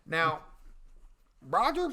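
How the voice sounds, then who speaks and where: A man with a high, bright, forceful voice gives casual comic advice on a podcast. He is blunt and folksy, and he swears freely as he talks. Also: very animated, extremely slow, a little hiss or hum. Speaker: comedy advice podcast co-host.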